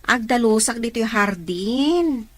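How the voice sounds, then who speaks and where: A woman's voice: a little high, expressive, takes it slowly, a bit bright, exaggerated voice. A woman with an Ilocano accent playing an industrious, plain-spoken aunt in an audio drama. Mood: matter-of-fact.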